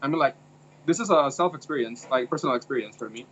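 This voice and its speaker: A young Indonesian man, a university student, speaks hesitantly in a casual discussion, often searching for words. His medium-pitched voice is quick and a bit bright, with a little hiss or hum. The recording has a dull, lo-fi sound.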